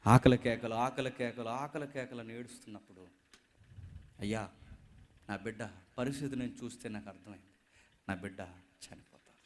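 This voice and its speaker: A man speaking as a grieving, widowed poor mother in famine, in a hushed, sorrowful, pleading voice. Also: mid-range voice, steady tone, normal speed, pauses often, slight background noise, voice pushed down, close to an everyday voice.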